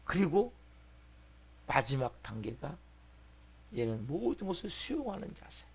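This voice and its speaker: A man's voice: a little high, measured pace, gravelly, husky. A male pastor giving an early-morning sermon, acting out people's voices with rising passion. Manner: animated preaching, acting out patients' voices.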